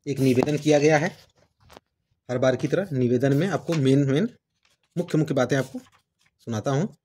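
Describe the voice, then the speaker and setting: On his book-review channel, a man with a medium-pitched, warm voice discusses a devotional book at normal speed. He keeps it casual and conversational, reading passages out loud, and there is slight background noise.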